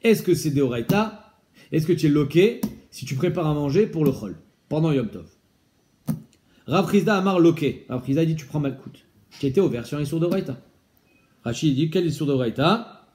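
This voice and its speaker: A man teaching a casual Talmud study lesson, explaining with lively questions and mixing in Hebrew and Aramaic terms. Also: on the high side, a little fast.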